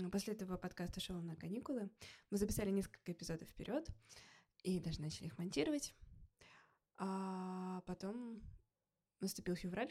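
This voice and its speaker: A woman with a dark, mellow, somewhat breathy tone talks at a fairly quick pace but leaves long, frequent pauses. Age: 30s. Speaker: podcast host. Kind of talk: casual interview chat; monologue to listeners.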